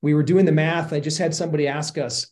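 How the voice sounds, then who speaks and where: A man's voice: a little high, steady tone, quick pace, a little mellow. A middle-aged man who invests in real estate, earnestly explaining his cautious approach in a casual podcast chat. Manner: earnest, explains with analogies and worst-case caution.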